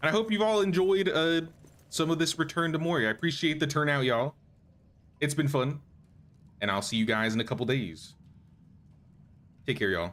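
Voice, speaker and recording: A man with an American accent speaks at a fairly high pitch and a fairly quick pace, with very wide pitch swings and long, frequent pauses. His loudness stays very even on a very clean recording with a silent background. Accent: interesting accent, per chat viewer. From Northern California (Central Valley/Bay Area). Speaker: gaming streamer. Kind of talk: casual live-stream chat with gameplay commentary.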